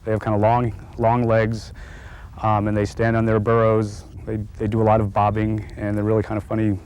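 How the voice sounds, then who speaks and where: Low-voiced male biologist in a nature documentary. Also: monotone, a little mellow, clear, resonant tone. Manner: halting, informal explaining. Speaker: field biologist. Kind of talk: unscripted nature documentary interview and field talk.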